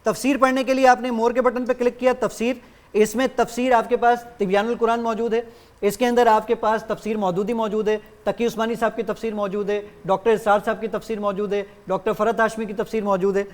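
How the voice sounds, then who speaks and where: A man appearing as a guest on a TV show, demonstrating his app in lively detail and acting out both sides of his exchanges with it. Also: high voice. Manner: animated explainer who acts out exchanges with the app.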